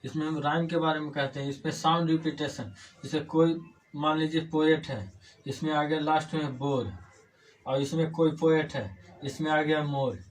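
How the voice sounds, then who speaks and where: A man's voice: fairly high pitch, steady tone, normal speed. Man teaching grammar from across the room. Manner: explains step by step, repeats key words as questions. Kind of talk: classroom lecture. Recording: distant mic, faint room noise.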